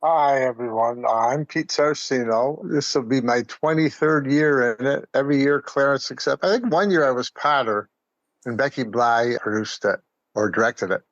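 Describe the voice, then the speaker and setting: An older man from upstate New York chats in a podcast interview at an average pitch. His sound is very dry and a little dull and lo-fi. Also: normal speed, no room sound. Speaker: community radio play actor.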